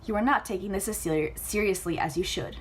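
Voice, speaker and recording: A woman reader plays a contemptuous old magician, now a ghostly father. The delivery is curt and disapproving, brushing objections aside in a storybook manner. The recording is clearly noisy. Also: mid-range voice, fairly quick, lightly acted. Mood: stern, snappish. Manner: curt, dismissive. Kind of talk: storybook character reading.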